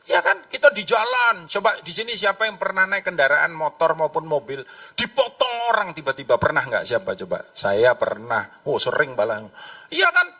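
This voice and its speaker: A man preaching a lively, conversational sermon, acting out voices in his stories. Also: on the high side, far from the mic. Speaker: pastor.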